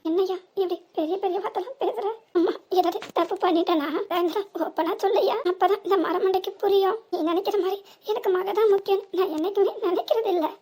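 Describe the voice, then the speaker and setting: A very high, piping voice gives us a tender older village mother, as a woman voices her in a cartoon comedy. She speaks with a southern Tamil Nadu accent and keeps pleading and blaming herself. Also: fairly even intonation, quick pace, few pauses, dark tone. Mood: pleading, remorseful. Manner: pleading, self-reproaching.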